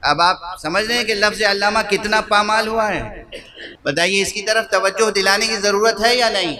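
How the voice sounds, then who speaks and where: A man's voice: sits high, steady tone, a crowd in the background. A man preaching a majlis sermon in a hall, putting rhetorical questions to his listeners and repeating key phrases for emphasis. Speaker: Shia religious scholar.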